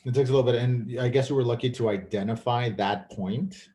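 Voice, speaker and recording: A man's voice: mid-range voice, a little fast, mellow. A man who grew up in Mexico and speaks Spanish as his first language, talking casually and thoughtfully as a filmmaker guest, often restarting his sentences. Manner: thoughtful, with frequent restarts and fillers. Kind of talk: casual chat.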